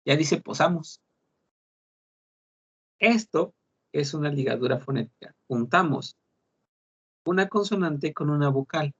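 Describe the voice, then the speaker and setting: Slow husky male language teacher. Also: a little high. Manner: slow, repeating words to model pronunciation. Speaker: French teacher. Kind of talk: online class lesson. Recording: dull lo-fi class recording.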